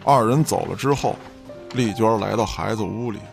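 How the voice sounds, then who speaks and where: A man narrating a scripted audio drama as an expressive, colloquial storyteller. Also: on the low side, normal speed, creaky. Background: light background music.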